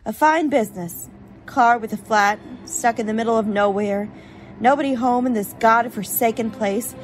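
A woman's voice: on the high side, moderate pace, soft background music, close to an everyday voice. A woman playing a weary, sarcastic young college student in a radio play, blunt and grumbling.

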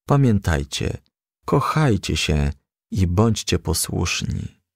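A man's voice: deep voice, very animated, slow pace, vocal fry, slightly rough, no echo, clean studio sound, exaggerated voice. A man voicing an ailing old father firefly, tender and grave, in a storybook. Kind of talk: storybook character reading.

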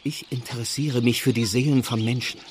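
A man's voice: medium pitch, steady tone, brisk, darkish tone, slight background noise, natural voice. An actor playing a pious, reproachful village clergyman and long-suffering brother in a German radio play. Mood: stern warning. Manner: earnest, admonishing.

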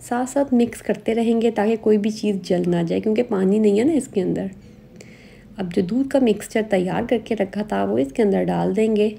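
A woman hosting a cooking lesson in voice-over, speaking. Her voice is very dark and mellow with a gravelly edge. She explains each step calmly and plainly. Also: mid-range voice. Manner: calm step-by-step instructions. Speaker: cooking channel host. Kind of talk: recipe voice-over.

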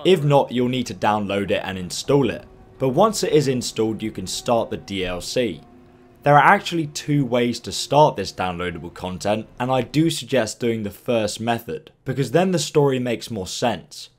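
A man hosting a game walkthrough, explaining steps in an upbeat, instructive way, his voice croaky from a long stream. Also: mid-range voice, lively intonation, normal speed. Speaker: gaming guide host.

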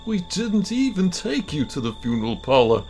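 A man's voice: sits high, very animated, normal speed, darkish tone, soft background music. A man voicing a dim, stammering accomplice in a dramatized horror story. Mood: amused, explaining. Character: nervous, dim male accomplice in a prank.

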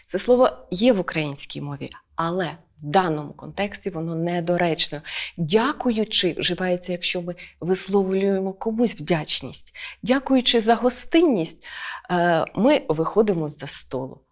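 Woman teacher explaining slowly. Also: fairly low pitch, animated. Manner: explanatory, with frequent "e" fillers. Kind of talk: online school lesson.

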